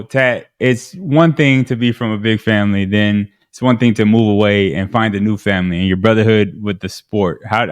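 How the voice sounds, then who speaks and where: Chatty sports show host guy, lowish smooth voice, keeps stacking questions. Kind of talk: pregame show interview.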